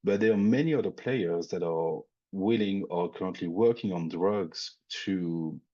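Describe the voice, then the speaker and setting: A man's voice: sits low, unhurried, warm tone, dull audio. A man with a French accent presenting a technical webinar, thinking aloud with frequent fillers and restarts. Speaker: industry expert presenting a webinar.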